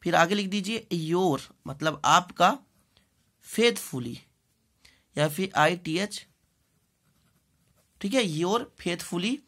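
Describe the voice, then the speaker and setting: An Indian-accented woman gives a bilingual English lesson in a fairly low, expressive voice with a fairly bright tone. Repetition of phrases, spelled-out words, and frequent check-ins shape her teaching.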